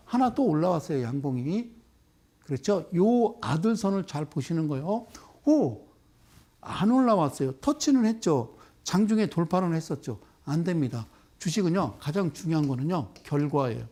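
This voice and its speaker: A male stock market expert lectures on television with an emphatic, animated delivery. His voice sits a little high for a man yet sounds mellow and warm. He keeps pausing to check that his audience follows, firing off short rhetorical questions. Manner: animated, with sudden exclamations and chanted sequences.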